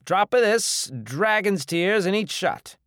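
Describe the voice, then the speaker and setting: A man voicing a gruff, suspicious alien bartender who bellows bluntly in an audiobook. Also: high-pitched, animated, slow, fairly bright tone, no room sound, clean studio sound, voice pushed up, heavily acted. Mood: brisk, commanding.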